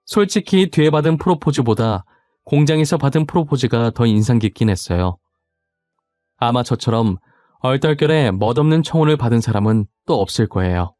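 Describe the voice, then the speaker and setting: A man narrates a first-person story in a calm, even reading voice of middle pitch. The sound is close and dry, with faint music underneath. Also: no room sound.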